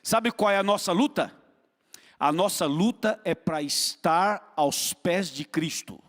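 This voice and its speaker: Male pastor, sermon, high voice, fervent repetition, calls to the congregation, long church reverb. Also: slow, a bit bright.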